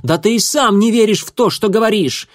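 A man's voice: high voice, brisk, no echo, clean studio sound, voice pushed up, natural voice. A man voicing a proud, defiant young female cat who speaks sharply and hisses when angry. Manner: sharp, hissing, indignant.

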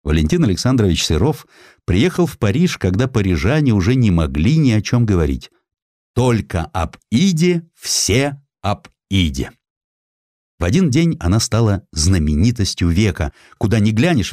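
Deep male audiobook narrator, really animated and theatrical, big dramatic pauses, telling history like a story. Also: dry recording, clean studio sound. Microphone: close studio microphone.

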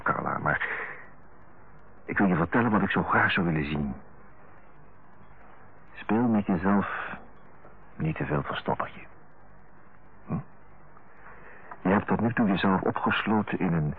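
A man's voice: low-pitched, a little hiss or hum. A male actor playing an earnest, affectionate middle-aged younger brother in a radio drama, speaking hesitantly and correcting himself as he searches for tactful, frank words. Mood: insistent, gentle. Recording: tinny narrow-band old radio recording.

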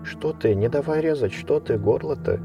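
A man's voice: medium pitch, animated, normal speed, gravelly, far from the mic, music in the background, voice pushed up. A man voicing a stubborn, fearful old peasant grandmother who nags in a whining voice. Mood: alarmed. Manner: nagging whine.

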